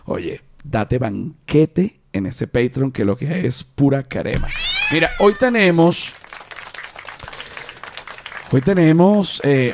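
A young man with a Venezuelan accent hosting a casual podcast, rambling and animated, with many restarts. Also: mid-range voice. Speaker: podcast host.

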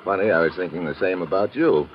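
Deep-voiced, hard-boiled American secret agent played by a man. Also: fast talker, slight background noise, lightly acted. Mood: cool, wry. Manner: hard-boiled, clipped, wry. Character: tough, wry American male secret agent. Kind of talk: 1950s radio drama acting and first-person narration. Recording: muffled old radio recording, music behind.

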